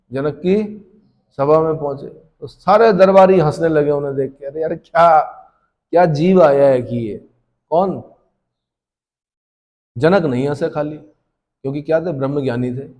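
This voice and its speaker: A male history teacher lectures a class preparing for exams, constantly asking students questions and then answering them himself. His voice sits on the high side with a darkish tone, and the room has a long, reverberant echo.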